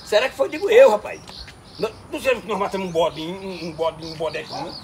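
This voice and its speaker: A high-pitched, lively joker with a Northeastern Brazilian accent, played by a man, who rattles off words fast and stammers when excited. There is faint noise behind him. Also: close to an everyday voice. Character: excitable joking rural man.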